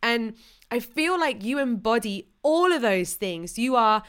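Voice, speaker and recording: A woman's voice: a little high, animated, unhurried, a bit bright, smooth. A young woman hosting a podcast, gushing and friendly as she talks with her guest. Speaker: podcast host. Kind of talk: casual interview chat.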